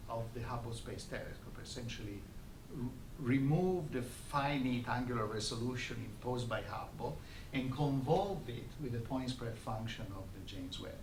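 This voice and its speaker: During an academic colloquium talk with slides, a medium-voiced man explains science in a halting way, often repeating words. It's captured from a distance in a reverberant room, with noticeable background noise.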